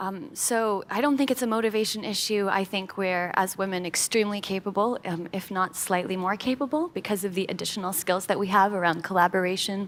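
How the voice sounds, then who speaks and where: A woman speaks with an American accent at a fairly quick pace. Her pitch is medium, and she has an unremarkable speaking voice. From United States. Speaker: panelist with public health background. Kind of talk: panel discussion.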